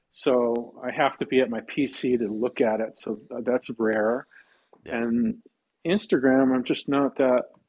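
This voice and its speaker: A man with an ordinary speaking voice, medium pitch, fairly even intonation and a fairly slow pace. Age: 60s. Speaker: rock musician and teacher. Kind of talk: casual interview conversation.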